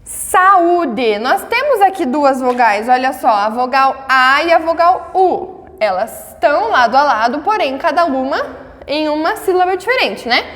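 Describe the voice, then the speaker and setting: A Brazilian woman teaching a grammar lesson, patiently checking in with her students and sounding out words slowly syllable by syllable. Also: high voice, animated, fairly bright tone, big-room sound. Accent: Brazilian Portuguese. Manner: patient, checks in often with tags.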